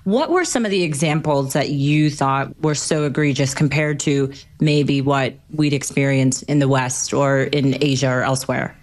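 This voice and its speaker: A woman's voice: extremely low pitch, moderate pace, hardly any pauses. A woman hosting a news interview, asking questions in an engaged conversational way. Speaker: host.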